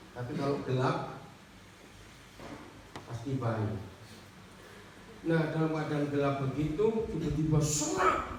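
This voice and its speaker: A male preacher giving an animated sermon, telling a story and quizzing his congregation directly. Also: mid-range voice. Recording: echoey hall from far off with faint noise.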